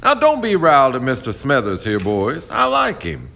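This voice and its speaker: An actor playing a brash, sly keelboat captain in a period radio drama, swaggering, needling and folksy with false friendliness. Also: male voice, medium pitch, huge pitch swings, moderate pace, gravelly, sharp tone, exaggerated voice. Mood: smooth, sly. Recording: faint background noise and ambience.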